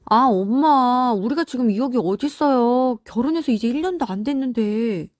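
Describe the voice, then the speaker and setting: A woman's voice: a little high, moderate pace, no room sound, pitched above the performer's own voice, lightly acted. A woman voicing a defensive youngest son, a young married man protesting in a family story. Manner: protesting, pleading.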